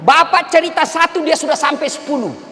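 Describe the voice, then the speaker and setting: A man preaching a humorous sermon, emphatic and joking, sometimes raising his voice to a shout. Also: very high voice, fairly quick, slight background noise. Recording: long hall reverb.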